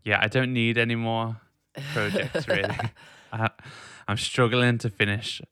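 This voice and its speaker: A man's voice: mid-range voice, fairly even intonation, unhurried, pushed and bright, smooth, no echo, clean studio sound. A man hosting a podcast, chatting casually and laughing easily. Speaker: podcast host. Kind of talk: casual chat.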